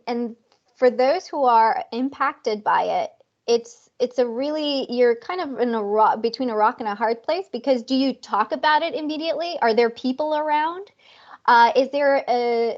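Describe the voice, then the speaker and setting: A woman investor talks things through on a panel, earnest and reflective. Her voice sits a little high. The audio is dull and lo-fi, like a video call. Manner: earnest, reflective, acts out quoted dialogue. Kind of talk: casual panel discussion.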